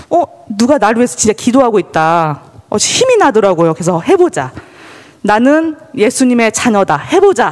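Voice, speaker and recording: A woman telling her personal testimony at a church service, animated storytelling that acts out the voices she quotes. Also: on the high side. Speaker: church member giving testimony. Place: church sanctuary. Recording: church hall reverb.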